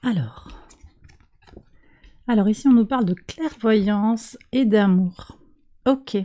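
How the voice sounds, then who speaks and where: Female card reader and host, slightly congested from a cold, gentle and measured, often pausing to search for words. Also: mid-range voice. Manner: calm, slow, hesitant with many fillers. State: has a cold. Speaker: tarot and astrology reader, channel host. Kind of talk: weekly card reading for viewers.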